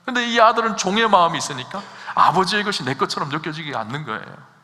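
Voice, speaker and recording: A male pastor preaching from the pulpit with a very bright, forceful, slightly high voice. He asks the congregation questions and climbs to loud, emphatic peaks. His voice rings with the long reverb of a large church hall. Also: expressive, fast. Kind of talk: sermon. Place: church sanctuary.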